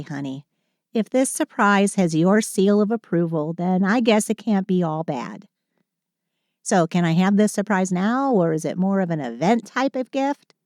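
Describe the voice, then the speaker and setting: A woman's voice: medium pitch, a little mellow, no room sound, clean studio sound, natural voice. A woman playing a short, sulky but affectionate Christmas elf in an intimate audio roleplay, with dramatic sighing complaints and fond endearments. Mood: tender.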